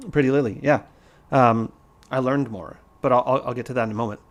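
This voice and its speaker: A man teaching trading on a casual livestream, blunt and emphatic, hammering his main points home by repeating them. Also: mid-range voice. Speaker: trading educator.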